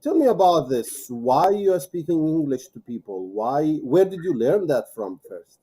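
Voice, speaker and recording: A man interviewing a guest, encouraging and a little halting in English. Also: a little high, sing-song, mellow, slightly rough, low-quality recording. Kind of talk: interview questions.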